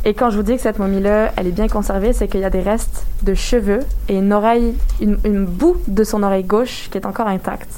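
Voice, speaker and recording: A young woman with a Québécois accent hosts a light news segment in casual radio chat, chatty and quick to laugh, with hesitant fillers. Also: mid-range voice, steady tone, dark tone.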